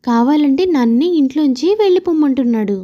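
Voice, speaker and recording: A woman's voice: high voice, lively intonation, fairly quick, dark tone, highs cut off. A woman voicing an aggrieved young wife and daughter-in-law in a story, complaining and argumentative.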